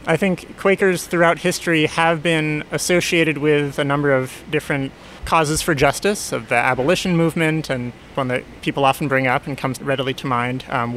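An earnest man answers interview questions in a reflective, searching way, often rephrasing as he goes. His voice sits a little high for a man. A faint hum of outdoor street traffic runs underneath. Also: fairly bright tone, rough recording. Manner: thoughtful, earnest, self-correcting. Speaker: resident of a Quaker community house.

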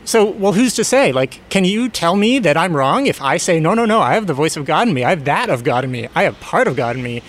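A Quaker community house resident speaks briskly, with hardly any pauses, in a slightly high voice that swings widely in pitch. Earnest and thoughtful, he keeps correcting himself and rephrasing during this reflective interview.

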